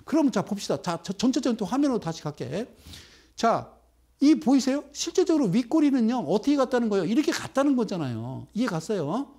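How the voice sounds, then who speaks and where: Excitable middle-aged guy doing a stock trading lecture, voice swoops all over the place, keeps teasing the viewers. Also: very high voice, brisk. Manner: animated, banters with viewers and asks rhetorical questions.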